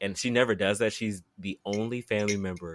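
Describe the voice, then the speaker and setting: Moderately paced speech with fairly even intonation. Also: man. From US South, suburban Atlanta. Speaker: singer and actor. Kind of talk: casual interview chat. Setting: podcast.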